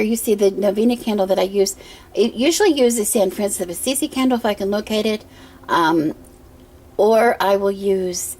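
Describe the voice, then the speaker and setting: A hoarse middle-aged woman, her voice roughened by a cough, shows off her pagan altar in a casual vlog filmed at home in a room with a water feature. Handling the camera herself, she speaks at medium pitch, gently and meanderingly, with many ums and pauses.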